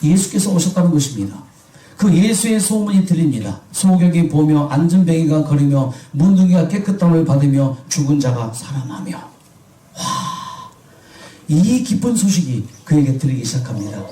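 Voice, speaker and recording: Korean pastor guy preaching, quizzes the crowd, mellow voice, big echoey room kinda far off. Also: a little high, lively intonation, brisk. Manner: asks the congregation questions and answers himself. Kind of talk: sermon.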